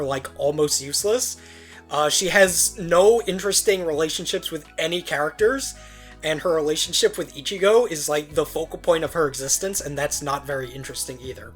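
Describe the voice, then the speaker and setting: A man's voice: fairly high pitch, a bit bright. A man arguing his side in a casual online debate, blunt and opinionated.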